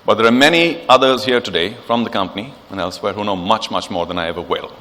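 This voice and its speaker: A man's voice: fairly low pitch, quick pace, a bit bright, big-room sound. A man hosting a corporate event, speaking in flowery, eloquent phrases with emphatic rises before he introduces the next speaker. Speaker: event host. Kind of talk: formal emcee speech.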